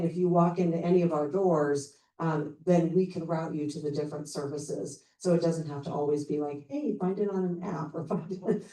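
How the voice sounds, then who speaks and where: In a public meeting room, captured by a roomy, far-off mic, a woman representing a charity program describes its services to the community. Her fairly low, slightly mellow voice stays upbeat and informal, with plenty of fillers.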